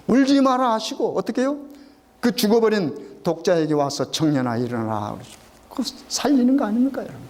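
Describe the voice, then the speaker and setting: A middle-aged man with a high voice preaches a sermon to his congregation. He keeps asking questions, answers them himself, and repeats the key phrases slowly for weight. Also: a little mellow. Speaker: pastor.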